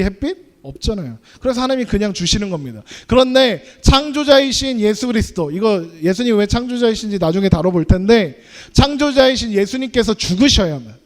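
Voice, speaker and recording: A young adult man preaching a youth sermon in a conversational way, often putting questions to his listeners. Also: high voice. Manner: conversational, asks the audience questions.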